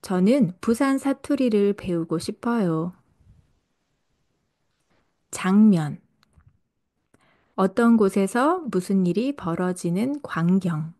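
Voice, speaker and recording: A woman reading a scripted podcast lesson for language learners, speaking slowly and carefully. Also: mid-range voice, expressive, mellow. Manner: slow, careful delivery for learners. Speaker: Korean language teacher and podcast host.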